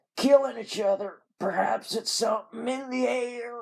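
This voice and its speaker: A put-on character voice, raspy and fairly high-pitched, at a moderate pace. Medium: read story. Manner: slurred, weary.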